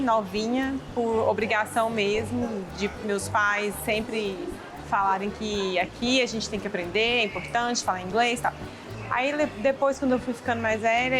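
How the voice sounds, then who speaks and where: A young woman from Brazil telling an interviewer about her experience, in a chatty way, acting out bits of dialogue. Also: on the high side. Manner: chatty, acts out quoted dialogue. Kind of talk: casual interview testimony. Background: background music.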